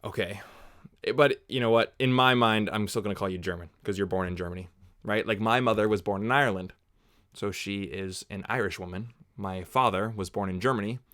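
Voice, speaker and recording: A man from Canada talks through a watch-along stream, drifting between tangents and comments from his viewers. His low voice sounds smooth and clear. The sound is dry and close to the mic, with no room around it. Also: brisk, fairly bright tone, dry recording. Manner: rambling, chatty, answers chat, drifts into tangents. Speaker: movie reviewer hosting a live watch-along. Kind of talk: casual livestream chat.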